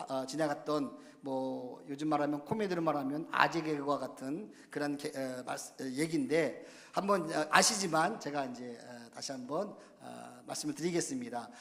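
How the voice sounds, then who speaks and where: Hoarse man preaching in reverberant church. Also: a little high. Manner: halting, many fillers, joking asides. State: slightly hoarse throat. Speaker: visiting missionary preacher. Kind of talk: sermon. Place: church sanctuary. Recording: long church-hall reverb.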